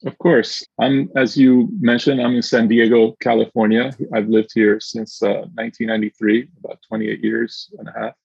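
Husky middle-aged man on roomy call. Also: medium pitch, flat delivery, normal speed, hardly any pauses, a little mellow. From Argentina. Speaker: podcast guest, inclusion consultant. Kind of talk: conversational interview answers. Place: indoors, remote video call. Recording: dull, roomy video-call audio.

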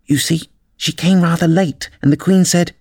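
A man voicing a timid, anxious white rabbit in a storybook, with a hushed and hurried manner. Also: fairly high pitch, fairly even intonation, dry recording, clean studio sound, voice pushed up.

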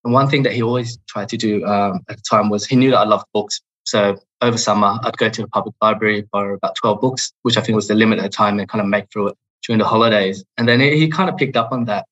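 A man in his thirties from Australia with an Australian accent, a podcast guest talking in a relaxed, reflective way with many fillers. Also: fairly low pitch, dull audio. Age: 30s. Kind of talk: interview podcast.

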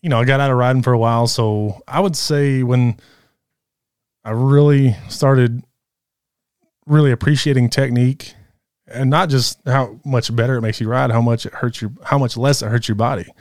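A man in his thirties, a guest in a casual interview, talking in a relaxed, candid way. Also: mid-range voice, moderate pace, dry recording, clean studio sound. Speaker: guest rider.

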